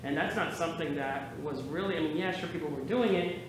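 Male host, fairly high voice, conversational, recorded far off with a lot of room echo. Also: brisk. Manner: chatty, affirming, builds long questions. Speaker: talk show host. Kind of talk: interviewing a guest. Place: theater stage. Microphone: far camera. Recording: echoey stage from far off with noise.

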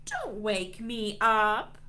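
Lady doing a cranky sleepy storybook dragon, groany complaints, bright voice, pitch all over. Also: huge pitch swings, drawn-out words, exaggerated voice. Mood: weary, groggy. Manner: groaning, moaning and hollering complaints. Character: sleepy, exasperated grumpy dragon trying to nap.

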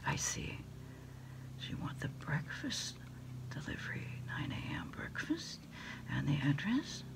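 Casting: American woman, creaky whisper, ASMR order-taker on the phone, unhurried and hesitant. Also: low voice, wildly swooping pitch. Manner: unhurried, hesitant, pausing as if listening to a caller. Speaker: ASMR creator role-playing a food delivery order taker.

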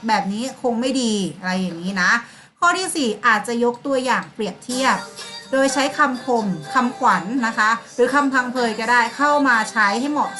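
Bright-voiced woman teaching a class. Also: on the high side. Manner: addresses pupils by name, acts out sample replies. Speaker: primary school teacher. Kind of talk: online class lesson.

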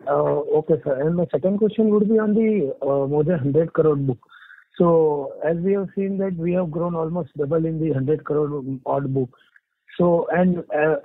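A man's voice: a little high, dry recording. Indian man on a dry, tinny phone line. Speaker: analyst asking questions. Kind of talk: earnings call question. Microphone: phone conference call.

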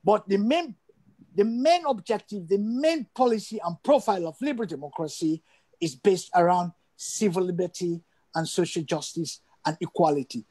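A man's voice: high voice, lively intonation, normal speed, warm tone, husky. Older man, emphatic on a video call. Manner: emphatic, repeats phrases for stress. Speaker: guest. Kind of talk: interview over video call. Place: indoor room at home.

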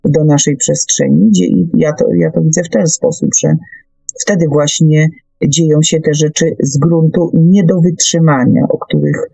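Female talk host: deliberate and hesitant, creaky voice, dry close sound over music. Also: low voice, steady tone, mellow, no room sound, rough recording. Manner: halting, deliberate, frequent long hesitations. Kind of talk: conversational radio discussion.

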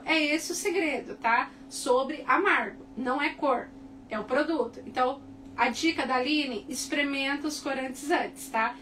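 High-voiced Brazilian woman teaching cake decorating. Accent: Brazilian Portuguese. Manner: chatty, animated, repeats tag questions like "tá?" and "né?". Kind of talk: casual tutorial talk to viewers. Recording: distant mic with faint background noise.

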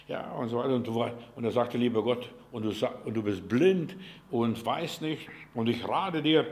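Male preacher with mid pitch: fervent, direct and folksy, heavy on rhetorical questions, dynamic volume. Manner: fervent, asks many rhetorical questions, swings between loud and quiet; folksy and direct, speaks to the listener as "du". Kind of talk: sermon.

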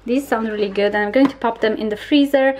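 A woman's voice: fairly high pitch, fast, a little mellow, a little hiss or hum. A young woman talking casually and chattily in an informal vlog style, recorded on a handheld camera in a home kitchen. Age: young adult. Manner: chatty and informal, small laughs between remarks. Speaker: vlogger.

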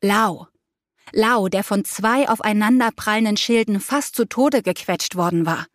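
A woman reads a romantic fantasy audiobook in the first person, telling the story in an expressive, emotive way. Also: medium pitch, normal speed, dry recording, clean studio sound. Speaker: audiobook narrator. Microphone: close studio mic.

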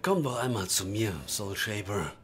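An actor in a German radio play playing a menacing, mocking gang boss with a theatrical, drawn-out delivery. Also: male voice, on the low side, animated, natural voice. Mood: mockingly friendly. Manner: theatrical, slow, drawn-out taunting with chuckles.

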